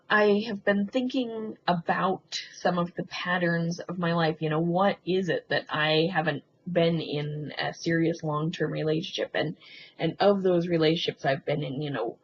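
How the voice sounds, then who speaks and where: Hesitant low-voiced woman, muffled recording. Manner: hesitant, halting, thinking aloud with frequent ums. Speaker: video blogger. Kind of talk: confessional solo vlog, casual rambling talk. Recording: muffled lo-fi sound with faint background noise.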